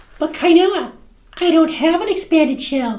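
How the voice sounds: The speaker uses a put-on character voice, squeaky and high in pitch. The pace is moderate.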